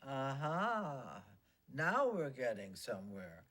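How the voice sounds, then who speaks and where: A woman's voice: extremely low pitch, sing-song, slow, fairly bright tone, heavily acted. A woman playing a bossy, teasing old grandmother ghost in a sitcom, blunt and nagging. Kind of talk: sitcom acting.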